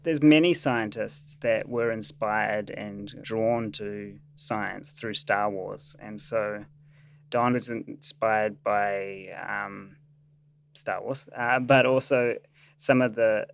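Casual: kiwi-scientist guy, slow and thoughtful, lots of ums, smooth clear voice. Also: on the low side, dry recording. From New Zealand. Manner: thoughtful, with frequent "um"s. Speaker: staff scientist and animator. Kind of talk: interview explanation.

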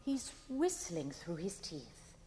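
An actress voicing a dark gypsy woman reading a crystal ball in a radio play, breathy and mysterious. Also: on the low side, wildly swooping pitch, slow, in a large hall, slight background noise, full character voice. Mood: excited.

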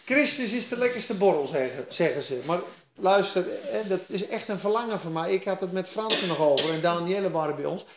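A woman preaching a sermon, swinging between quiet asides and loud, excited bursts. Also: on the low side, brisk, noisy background. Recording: echoey room.

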